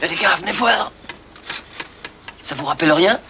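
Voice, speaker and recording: A man's voice: high voice, expressive, normal speed, background noise. A man playing a joking, nostalgic army veteran in casual banter in a film comedy. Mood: amused.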